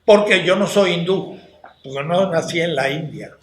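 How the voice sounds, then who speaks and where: An older man from Latin America giving a university philosophy lecture, speaking slowly and deliberately and putting rhetorical questions to his class. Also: on the high side, background noise. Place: lecture hall. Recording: echoey lecture hall.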